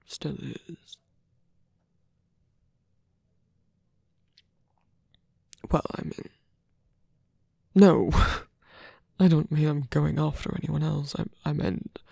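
A man acts out a villain in love for an intimate ASMR roleplay. His voice is very breathy and gravelly, recorded dry and close. He speaks slowly and hesitantly, often near a whisper, flirtatious yet sincere and protective. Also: a little high, warm tone, no echo, full character voice. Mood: flirtatious, flustered. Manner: halting, hesitant confession with small sighs. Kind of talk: ASMR roleplay, intimate one-sided dialogue.

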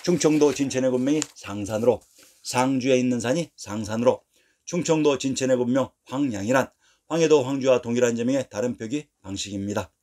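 A man narrates a history explainer in an even, measured read, moving through dates and place names one after another. His voice sits at an ordinary middle pitch for a man, neither deep nor high. The delivery stays scripted and unhurried throughout.

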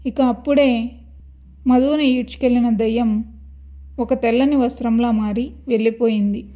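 A woman narrating a scripted horror story in a steady, dramatic storytelling manner. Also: on the high side, moderate pace, muffled recording.

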